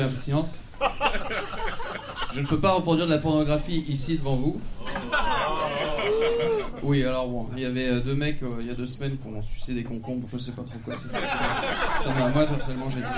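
A man's voice: medium pitch, fairly even intonation, moderate pace, pauses often, heavy background noise. A man doing a mock-solemn, theatrical stand-up setup on stage. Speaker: comedy performer. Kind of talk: live stand-up bit.

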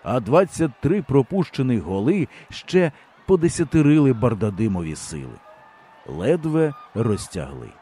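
A man narrating a humorous story in an audiobook, telling it in a lively way. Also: mid-range voice, a little slow, slightly rough. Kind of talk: scripted narration.

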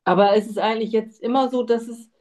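A woman's voice: on the high side, fairly even intonation, fast, darkish tone, lightly acted. A woman playing a middle-aged male patient in a medical role-play, talking hesitantly and tagging her sentences with little questions. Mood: worried. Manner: hesitant, chatty, tags sentences with "ne". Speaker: simulated patient.

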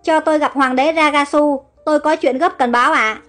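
A woman's voice: high voice, steady tone, fairly quick, fairly bright tone, faint music behind. A woman voicing a greedy, scheming male servant who gloats over his plans. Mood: eager. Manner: gloating, then frantic.

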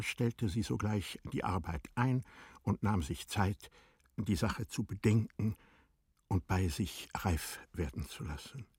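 Guy narrating a classic novel radio play, deep husky voice, measured and expressive. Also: dry recording, clean studio sound. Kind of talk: scripted literary narration for radio drama.

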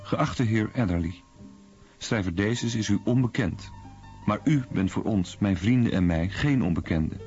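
A deep, mellow-voiced male letter writer played by an actor reads formally and earnestly, as in a radio drama. Faint guitar music runs behind him. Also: close to an everyday voice. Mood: earnest, admiring. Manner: formal, measured. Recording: muffled radio recording over guitar music.

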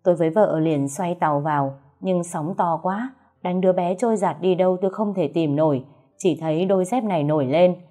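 A woman telling a first-person story with slow, emotional narration. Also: fairly low pitch, mellow. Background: faint music.

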